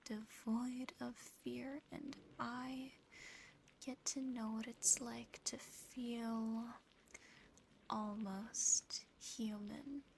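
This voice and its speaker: Woman playing possessive, tender female demon for ASMR roleplay: very slow, close intimate whisper, soothing and gently teasing, background noise. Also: a little high, little pitch movement, creaky, heavily acted, rough recording. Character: affectionate, possessive female sleep paralysis demon.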